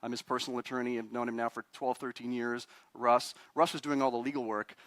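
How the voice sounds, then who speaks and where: A man's voice: mid-range voice, flat delivery, fast talker, fairly bright tone, dry recording. A man in his forties from Chile, an attorney giving a live talk to a meetup audience, chatty and self-deprecating, often quizzing the crowd. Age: 40s. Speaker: guest speaker, attorney.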